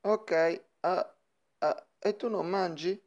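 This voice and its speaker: A woman's voice: fairly low pitch, slow, darkish tone, soft background music. A woman voicing a jumpy, frightened young schoolboy in a cartoon fandub. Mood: nervous.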